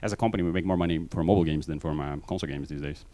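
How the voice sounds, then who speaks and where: A middle-aged man from Brazil with a mixed Brazilian accent gives a casual conference talk on a stage with a handheld mic, quick and full of fillers. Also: deep voice, warm tone. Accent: Brazilian Portuguese mixed. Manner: fast, filler-heavy, self-deprecating. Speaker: conference speaker. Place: large conference hall stage.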